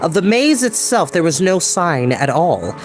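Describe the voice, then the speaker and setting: An expressive, theatrical storytelling host who reads books aloud and chats casually in between. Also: medium pitch, measured pace. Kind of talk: animated storybook reading with chatty asides. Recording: background ambient music. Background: ambient music.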